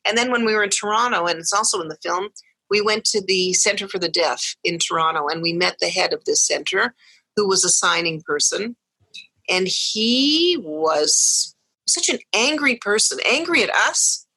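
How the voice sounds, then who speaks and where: A woman speaking English as her first language, telling her family's story in a lively way as a guest on a podcast interview. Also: mid-range voice, normal speed, husky, dry recording, poor audio. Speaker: guest, mother of deaf twins.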